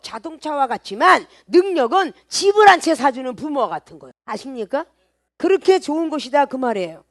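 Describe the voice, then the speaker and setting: Woman preacher-lecturer, high-pitched and gravelly, animated, questions her listeners, dry room. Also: dry recording. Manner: animated, acts out dialogue, asks the class questions. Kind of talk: sermon-style Bible lecture.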